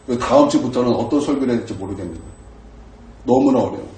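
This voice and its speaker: A male pastor preaching a sermon, telling stories with lively delivery and acting out his own earnest prayers. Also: mid-range voice, quick pace, roomy sound, far from the mic. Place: church sanctuary.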